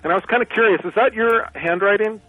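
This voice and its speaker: A man's voice: sits high, fast, dry recording, faint music behind. A man in his late thirties calling in to a radio show, talking in a plain, earnest, slightly awkward way. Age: 30s. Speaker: caller. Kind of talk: phone-in chat. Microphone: telephone. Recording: tinny phone line.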